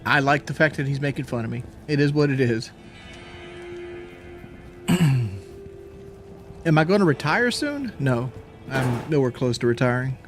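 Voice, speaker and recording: Brief: male streamer, casual rambling chat, winded, mid pitch, desk mic, faint music behind. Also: expressive, measured pace, long pauses. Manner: rambling, repeats words, swears casually. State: out of breath after a workout. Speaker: live streamer.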